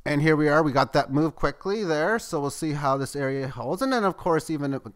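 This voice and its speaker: A man giving live, tick-by-tick commentary on a price chart as the host of his channel, growing excitable at key moments. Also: a little fast, clean tone. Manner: running play-by-play, excitable at highs. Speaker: market chart analyst.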